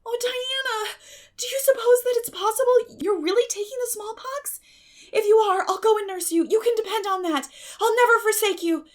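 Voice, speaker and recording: A woman's voice: very high-pitched, moderate pace, pitched above the performer's own voice. A woman voicing a dramatic, effusive young girl in a storybook, with a gushing, wailing manner. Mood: anxious, pleading.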